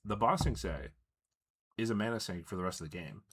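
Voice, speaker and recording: A man's voice: on the low side, fairly quick, slightly rough. A man commentating a card game in casual chat, thinking aloud and explaining his reasoning.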